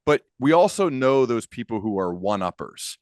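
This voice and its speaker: A man's voice: mid-range voice, sing-song, normal speed, darkish tone, no echo, clean studio sound. A man hosting an interview podcast, chatting informally with anecdotes and acted-out imagined quotes. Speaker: podcast host. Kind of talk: casual interview chat.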